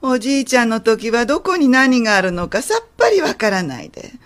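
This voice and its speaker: A woman acting as an elderly mother in a radio drama, brisk and confident at first, then quiet and halting. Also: on the high side, sing-song. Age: older.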